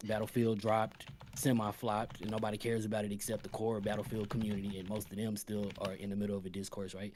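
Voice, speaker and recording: A man's voice: on the low side, a little mellow, a little hiss or hum. A man bantering in an informal, slangy way as a panelist on a gaming show. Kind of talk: casual bantering talk.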